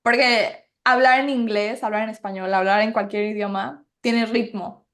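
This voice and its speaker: A woman's voice: fairly high pitch, steady tone, normal speed, fairly bright tone. A young woman with a Mexican accent, chatting animatedly as a guest actress on a podcast, full of fillers. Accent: Mexican Spanish. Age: young adult. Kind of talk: casual podcast chat.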